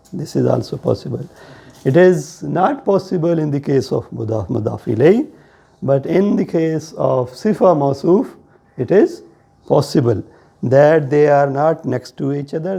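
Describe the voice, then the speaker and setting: Male teacher, South Asian accent. Unhurried, deliberate classroom explanation, soft-edged timbre with some creak. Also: fairly high pitch. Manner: deliberate, explanatory, checking questions. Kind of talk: classroom lesson on Arabic grammar.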